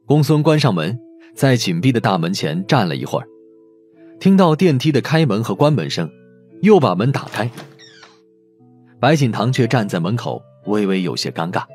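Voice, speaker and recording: A man's voice: medium pitch, sing-song, moderate pace, long pauses, darkish tone, faint music behind. A man reading a novel aloud as a dramatic audiobook narrator.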